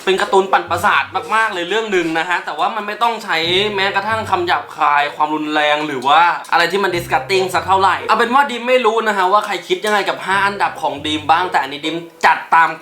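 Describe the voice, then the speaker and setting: A man hosting a casual countdown in a chatty way, who giggles often and gets excited and squeaky. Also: a little fast, hardly any pauses, reverberant. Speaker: YouTube host.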